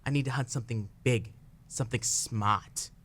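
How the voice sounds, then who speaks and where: A terse young boy on the hunt in a fairy-tale radio play, voiced by a student actor. He sounds ominous and commanding, with stilted phrasing at a middling pitch. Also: normal speed, a bit bright, lightly acted. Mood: ominous, intent.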